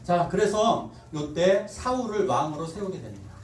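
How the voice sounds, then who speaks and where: Animated Korean pastor preaching in an echoey hall. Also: male voice, high-pitched, normal speed, a little hiss or hum. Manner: animated storytelling, acts out quoted voices with laughter. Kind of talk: sermon. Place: church sanctuary. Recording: roomy church hall, mic at a distance.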